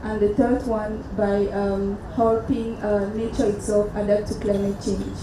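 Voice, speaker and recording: A woman speaking as a panelist, measured and halting, with many fillers. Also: medium pitch, flat delivery. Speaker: panelist from a conservation group. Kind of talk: panel answer. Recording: echoey hall, distant mic, noisy.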